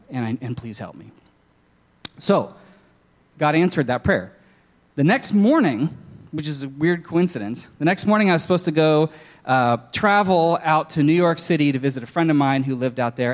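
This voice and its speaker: A man's voice: fairly high pitch, expressive, normal speed. Candid young man telling his story. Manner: casual, candid storytelling with many fillers and restarts. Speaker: speaker sharing a testimony. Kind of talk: personal testimony talk.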